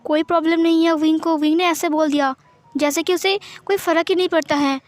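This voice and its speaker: A woman's voice: very high-pitched, fairly even intonation, a little fast. A woman retelling a fan fiction story in a chatty way, often repeating her phrases.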